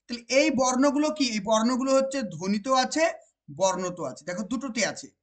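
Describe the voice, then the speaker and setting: Teaching an exam-prep grammar class, this animated woman with a West Bengal accent speaks at a fairly high pitch. Key phrases get slowed down for emphasis, every point is repeated, and rhetorical questions keep checking that students follow.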